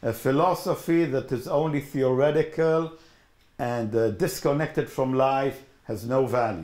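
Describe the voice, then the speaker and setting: In a very clean recording with a silent background, a man with an unremarkable speaking voice talks at a fairly slow pace, medium pitch and ordinary pitch variation. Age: 60s. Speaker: lecturer, author. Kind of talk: lecture with consecutive interpretation. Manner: speaks in short phrases, pausing for interpreter.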